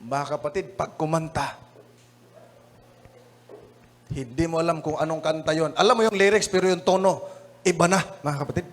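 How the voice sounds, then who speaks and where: A man's voice: fairly high pitch, fast talker. A man with a Filipino accent, an evangelist telling funny anecdotes in a lesson-review sermon, chatty and often laughing as he addresses the brethren. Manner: chatty, laughing, often says "mga kapatid".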